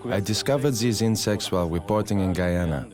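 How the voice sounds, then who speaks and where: A man delivers a reflective documentary interview voice-over. His voice is deep, and music is clearly heard underneath. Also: a little fast, a little mellow.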